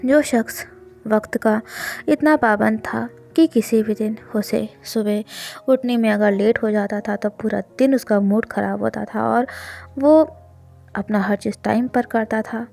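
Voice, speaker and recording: A woman narrating a romance story in an expressive, dramatic storytelling way. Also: fairly high pitch, measured pace, vocal fry, faint music behind.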